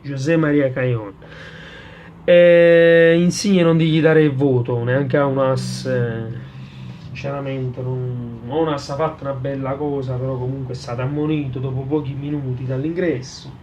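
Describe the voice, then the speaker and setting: A man with a Neapolitan accent giving casual football fan commentary for a vlog, in colloquial street slang, often halting and repeating words for emphasis. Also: mid-range voice, little pitch movement, dull audio, background noise. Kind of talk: casual post-match player ratings, fan commentary. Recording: clear music behind the voice. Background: music.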